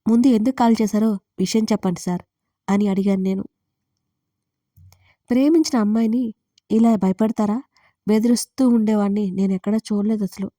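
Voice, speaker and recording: A woman narrates a first-person romance tale in a soft, mellow voice. The recording is dry and close, with no room around her. She voices the other characters' lines herself, without changing into a new voice. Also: mid-range voice, dry recording. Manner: reads all parts in her own voice, lively on quoted lines. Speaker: storyteller.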